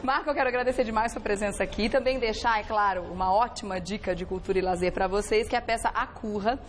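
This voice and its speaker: A woman's voice: mid-range voice, fast, slight background noise. A Brazilian woman hosting a daytime television talk show in a presenter's style. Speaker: TV show host.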